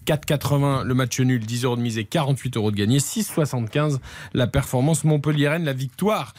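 A man's voice: medium pitch, a little fast, darkish tone, no echo. A man hosting a sports radio show who talks playfully and teases his guests. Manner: playful, teasing.

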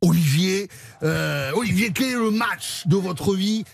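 A man's voice: high-pitched, expressive, a little slow, creaky, breathy edge, no echo, heavily acted. A man putting on a hammy southwest-accented rugby interviewer. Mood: mock-solemn. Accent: southwest French, put on. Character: hammy rugby-club interviewer, male, overdone.

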